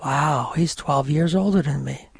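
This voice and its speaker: A man in his fifties from northern New York, whose first language is French, telling his story as a radio guest in a rambling, halting way. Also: fairly high pitch, vocal fry, husky. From northern New York, French-speaking home. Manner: rambling, halting with many fillers. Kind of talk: casual radio interview storytelling.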